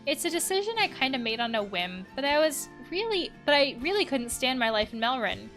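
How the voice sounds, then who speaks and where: Woman reading as a high-voiced, troubled trans teen girl. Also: very animated, a little fast, a bit bright, faint music behind, exaggerated voice. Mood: relieved, confiding. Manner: confessional, reading out written messages. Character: troubled, earnest young trans woman of eighteen.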